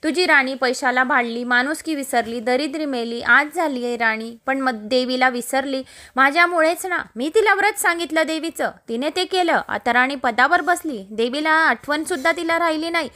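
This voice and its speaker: A woman playing an indignant old beggar woman in a devotional storybook tale, scolding and lecturing in a high, bright voice. A disguised goddess, bitter at being forgotten. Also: normal speed.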